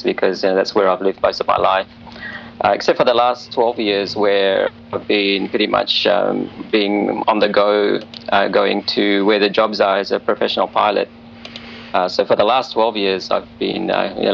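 Man, gravelly flat voice, earnest and hesitant, airline pilot guest, dull remote audio with faint hiss. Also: on the low side. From Australia. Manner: earnest, hesitant with frequent fillers. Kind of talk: conversational interview answers. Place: hotel room.

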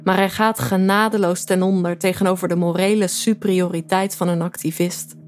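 A woman's voice: lowish voice, fairly even intonation, a little fast, natural voice. An actress playing a lovesick woman who narrates her romance in a wry, introspective way in an audio drama. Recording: music behind.

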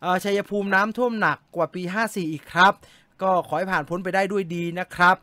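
Man, high voice, bright tone, casual stream chat, reads comments aloud, joking, close mic. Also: quick pace, dry recording. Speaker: live stream host reading viewer comments.

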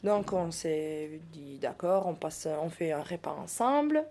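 Woman speaking french, bit low voice, laughs a lot, looks for words sometimes. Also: unhurried. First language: Italian. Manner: lively, laughs often, searches for words. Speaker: staff member at a youth shelter. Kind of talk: casual radio interview.

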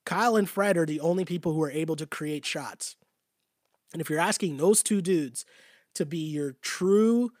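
A man with a slightly high voice, worn thin because he is losing it, breaks down a basketball game in loose, chatty commentary. The sound is close and dry, with no room around it. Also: no room sound. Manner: conversational, repetitive, often asks "right?". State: losing his voice. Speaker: basketball show host. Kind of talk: casual sports commentary to a live chat.

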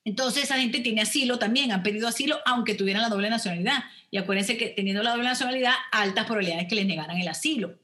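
Talking very fast with hardly any pauses, a woman with a high-ish, bright, forceful voice explains immigration rules as a lawyer on a radio call-in advice program, checking in often with "ok?".

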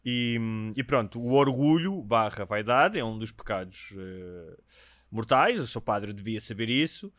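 A man's voice: medium pitch, unhurried, no room sound, clean studio sound. A Portuguese man in his forties with a European Portuguese accent, chatting casually and telling stories with lots of "não é?" tags. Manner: storytelling, animated, with frequent "não é?" tags. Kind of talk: casual chat.

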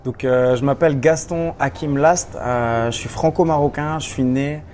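A man's voice: medium pitch, fairly even intonation, moderate pace, darkish tone, slight background noise. Young man, from Morocco, mid-range voice, hesitant, lots of fillers. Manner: hesitant, many fillers, easygoing. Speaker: guest blogger. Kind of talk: casual interview answers. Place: seminar venue.

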